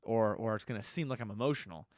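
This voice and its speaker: A man's voice: lowish voice, quick pace, a little mellow, dry recording, studio quality. A man hosting a solo podcast, answering listener questions in a loose, rambling way and often correcting himself, his nose a little stuffy. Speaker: podcast host.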